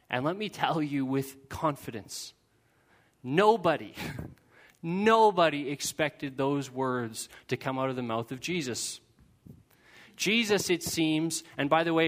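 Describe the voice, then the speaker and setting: A man preaching a sermon, telling a story with lively asides. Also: on the high side. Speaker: pastor.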